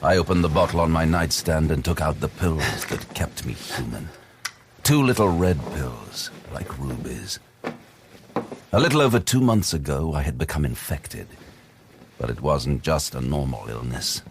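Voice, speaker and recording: A man's voice: expressive, normal speed, background noise. An actor playing a haunted, grim male detective who narrates his story in an audio drama. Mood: brooding. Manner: low, brooding first-person narration. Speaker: narrator and lead.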